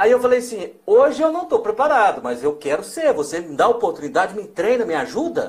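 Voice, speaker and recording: Pitched extremely high with very wide pitch swings, a man talks at a fairly quick pace with hardly any pauses. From Brazil, central-west Minas Gerais. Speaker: radio announcer and voice-over artist. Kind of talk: interview.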